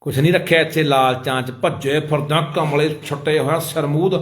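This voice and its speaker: A man's voice: on the high side, steady tone, brisk. A man with a Punjabi accent making an impassioned, pleading public appeal as an activist, calling his listeners brothers.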